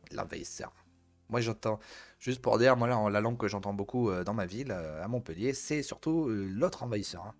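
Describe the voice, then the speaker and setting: Man, fairly low voice, host reading an article aloud, halting, joking asides, faint music under him. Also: darkish tone. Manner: halting, breaks off to joke with the guest.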